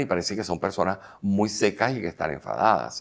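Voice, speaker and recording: On a very clean recording with a silent background, a man speaks at a moderate pace, with a fairly low pitch and ordinary pitch variation. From Venezuela. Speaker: film director and actor. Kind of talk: interview. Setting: studio. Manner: halting, with frequent repetitions.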